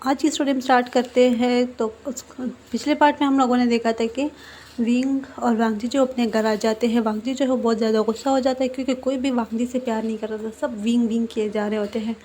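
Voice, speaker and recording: A woman's voice: a little high, darkish tone. A woman narrating a fan-fiction story in a casual, chatty way, with fillers and restarts. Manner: chatty, filler-laden retelling.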